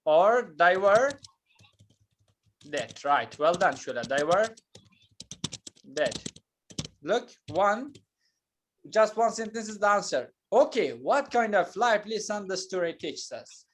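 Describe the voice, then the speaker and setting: A man teaching an English lesson, explaining patiently and slowly with many hesitations and fillers. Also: sits high, very animated, fairly bright tone, slight background noise. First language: not Turkish.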